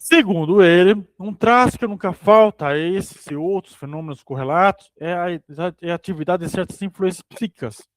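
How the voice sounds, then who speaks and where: A man reading a philosophy book aloud for a study group, steady but sometimes stumbling and rereading phrases. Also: high-pitched, normal speed, hardly any pauses, no room sound.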